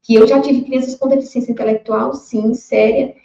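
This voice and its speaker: A woman from Brazil teaching a recorded lecture, talking in a lively, expressive way. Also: a little high, moderate pace, vocal fry. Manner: lively, expressive classroom talk. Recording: muffled, roomy lecture recording.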